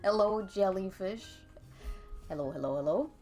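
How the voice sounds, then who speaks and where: A woman's voice: mid-range voice, moderate pace. A young woman with a congested, stuffy nose, chatting casually and rambling to her chat while she draws, laughing often. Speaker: art streamer. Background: faint calming jazz music.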